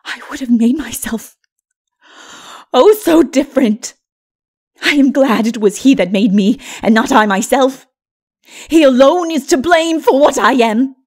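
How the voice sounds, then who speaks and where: A woman voicing a bitter, proud, anguished princess in a dark fantasy audiobook, gasping out her words in defiant bursts. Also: high-pitched, expressive, measured pace, pauses often, pitched above the performer's own voice.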